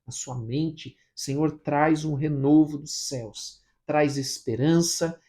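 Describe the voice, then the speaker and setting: A Brazilian pastor reading scripture and then leading a fervent morning prayer, full of repeated pleas. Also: male voice, fairly high pitch, fairly even intonation, slow pace, mellow. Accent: Brazilian Portuguese.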